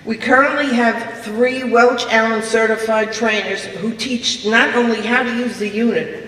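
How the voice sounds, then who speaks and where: A woman's voice: on the high side, fairly even intonation, measured pace, fairly bright tone. An older woman with a Brooklyn accent giving a prepared speech to a club meeting. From Brooklyn, New York. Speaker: guest speaker, club officer. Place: large echoey meeting room, live audience. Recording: distant mic, echoey hall, noisy room.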